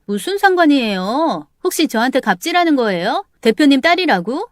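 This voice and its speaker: A higher, pert voice of a rude young female secretary, as a woman narrator puts her on in a story drama. She snaps back with sassy, defiant retorts. The recording is close and dry. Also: big pitch swings, normal speed, no echo.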